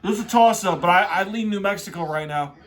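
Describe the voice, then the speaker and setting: A man talking like an excitable frat bro, hosting a casual, off-the-cuff sports reaction full of slangy asides. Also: high-pitched, quick pace. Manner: excitable frat-bro talk, heavy on "bro" and "dude". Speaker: host reacting to a tournament bracket.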